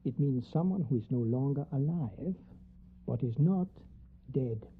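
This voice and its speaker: A woman playing a grave, commanding professor who hunts vampires, speaking formally and deliberately in a radio drama. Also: a bass voice, lively intonation, a little hiss or hum. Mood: grave, explanatory. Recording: tinny, narrow band like phone line.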